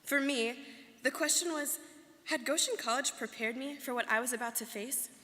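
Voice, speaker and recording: A woman's voice: high voice, moderate pace, bright, forceful tone. A young woman, a student actor, giving an earnest, rehearsed account of a life in the first person. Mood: earnest recollection. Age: young adult. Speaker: student performer in a dramatic reading. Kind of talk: rehearsed staged monologue. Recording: live reading in reverberant hall.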